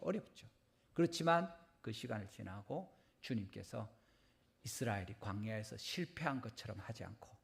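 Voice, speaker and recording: Middle-aged man, pastor, gravelly voice, earnest sermon, mid-pitched. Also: darkish tone. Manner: earnest preaching, often retelling conversations with quoted lines.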